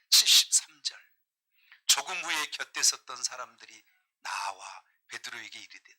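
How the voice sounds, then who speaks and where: A man's voice: medium pitch, sharp tone, rough recording. A middle-aged man from Jeolla, a pastor preaching a sermon, reading scripture and putting emphatic rhetorical questions to his congregation. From Jeolla, South Korea.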